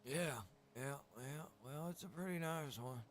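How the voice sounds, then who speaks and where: A man plays Pete, a friendly, folksy wandering survivor in an online zombie roleplay game, chatting casually in character with drawling phrases and an easygoing manner. His voice is a little high and a little slow, with a bit of hiss or hum.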